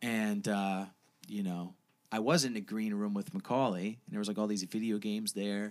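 Here is a man with an American accent and an unremarkable speaking voice, pitched fairly low, talking at a moderate pace with fairly even intonation. The recording is very clean, with a silent background. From New Jersey / New York area. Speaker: rapper. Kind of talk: casual chat. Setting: host's basement.

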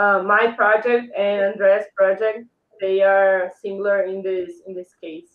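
A woman with a Brazilian accent, medium in pitch, fairly slow and monotone with flat intonation. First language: Portuguese. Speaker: startup founder. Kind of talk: interview.

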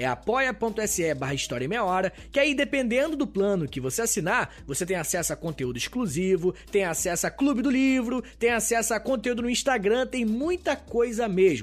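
A man speaks at a moderate pace with hardly any pauses, his high voice swinging very widely in pitch. The recording is very clean, with a silent background. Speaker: history teacher, podcast host. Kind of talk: scripted narration. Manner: casual, friendly.

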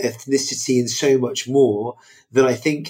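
A somewhat breathy man's voice with a British accent, dark and mellow, at medium pitch and a moderate pace. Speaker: podcast co-host.

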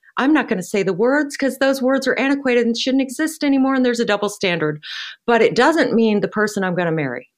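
A woman talks very fast in a high voice with lively intonation against a quiet background. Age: 50s. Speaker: dating author and coach. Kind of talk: interview.

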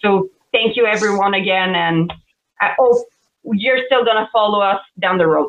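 With a French Canadian accent, the speaker moves at a moderate pace with ordinary pitch variation. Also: woman, medium pitch for a woman. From Quebec, Canada. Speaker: rock band vocalist. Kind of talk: casual interview.

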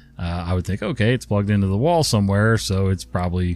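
Very fast and very deep, a man's low-pitched voice shows ordinary pitch variation in a very clean recording with a silent background. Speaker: YouTube story narrator. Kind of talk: casual chat. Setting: home studio recording. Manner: slightly mumbled enunciation.

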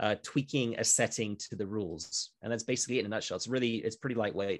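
With an American accent, a man talks at medium pitch and a fairly quick pace, using ordinary pitch variation over a quiet background. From United States, lived long in UK. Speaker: game designer and podcaster. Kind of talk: casual interview chat. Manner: casual, halting with fillers.

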